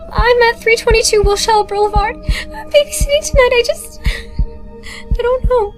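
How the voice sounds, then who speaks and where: A woman's voice: extremely high pitch, fairly even intonation, a little slow, faint music behind. A woman playing a sweet, timid fourteen-year-old babysitter in an amateur audio drama. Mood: frightened, tearful.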